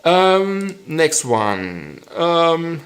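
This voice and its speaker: A man's voice: a little high, sing-song, extremely slow, a bit bright. A man in his thirties from western Germany with a German accent, hosting a casual live stream Q&A, hesitant with many ums and frequent chuckles.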